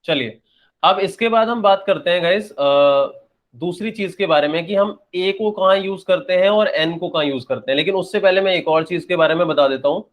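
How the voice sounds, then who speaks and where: A young Indian man with a high-pitched voice teaches an English grammar lesson at a moderate pace. In classroom fashion, he explains and checks, going back over points and answering his own questions.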